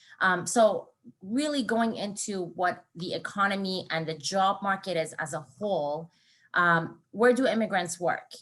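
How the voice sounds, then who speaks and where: Her pitch sits in the medium range for a woman. The rise and fall of this woman's voice is ordinary. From Iran, moved to US at 14. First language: Persian. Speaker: recruiter. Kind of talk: presentation. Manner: frequent fillers (um, uh).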